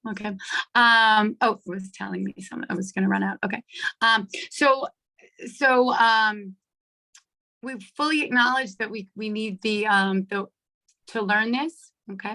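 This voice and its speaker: A middle-aged woman with a hoarse voice leading an online coaching workshop on a video call, chatty and checking in with her listeners often. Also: fairly high pitch, bright, forceful tone, rough recording. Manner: chatty, checks in with "right?" and "okay?". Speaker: workshop leader. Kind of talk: live online coaching talk.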